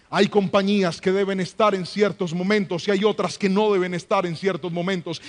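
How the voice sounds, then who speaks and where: A man preaching a sermon as associate pastor, using rhetorical questions and call-and-response with his congregation in a church. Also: high-pitched.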